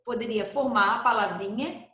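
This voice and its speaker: A woman's voice: fairly high pitch, normal speed, a bit bright, roomy sound. A woman with a Brazilian Portuguese accent, teaching first graders in a recorded online class, patient and stretching words out for young children.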